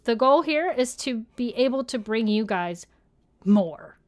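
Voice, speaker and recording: A woman with a fairly high voice co-hosts a casual live stream. She talks in a jokey, irreverent way and is happy to swear. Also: expressive, a little slow. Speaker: podcast co-host and show creator.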